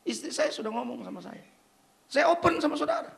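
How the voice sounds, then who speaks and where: Male pastor with a gravelly, lively voice, preaches emphatically and keeps questioning the congregation. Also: extremely high pitch, a little fast. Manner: emphatic, peppers talk with rhetorical questions to the congregation; mixes in English phrases. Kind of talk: sermon.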